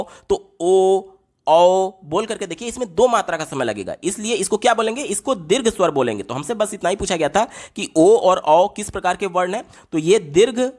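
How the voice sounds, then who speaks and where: Male tutor, fairly high voice, patient step-by-step exam-paper explainer who checks in with "theek hai?". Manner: explains step by step, asks and answers his own questions, repeats "theek hai?"; writes on a board while explaining. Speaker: teacher solving exam papers.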